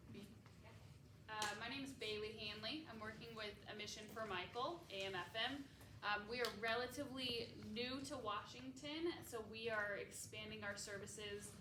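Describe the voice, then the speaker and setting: A woman introducing her organization on a panel, informal with some fillers. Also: mid-range voice. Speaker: panelist, outreach worker. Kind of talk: self-introduction. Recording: echoey room, distant mic, noise.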